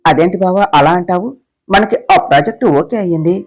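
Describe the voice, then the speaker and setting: A man's voice: sits high, fairly quick. A woman voicing an eager, cheerful young man who pleads and talks with enthusiasm.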